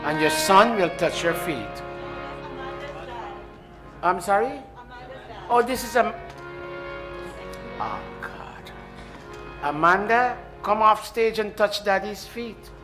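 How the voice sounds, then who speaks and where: A man's voice: high voice, animated, takes it slowly, long pauses, music in the background. A man leading a temple ceremony, giving the congregation live directions with joking, apologetic asides.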